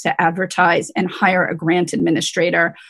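A woman with a fairly low pitch speaks at a moderate pace, with vocal fry. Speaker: city planning director. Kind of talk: public budget meeting. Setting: video call.

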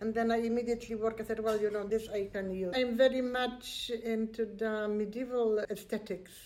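A woman speaks with a Polish accent at a fairly high pitch, her intonation monotone and flat, with hardly any pauses and noticeable background noise behind her. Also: moderate pace. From Poland. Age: 50s. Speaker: bookbinder and designer. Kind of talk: interview. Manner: halting.

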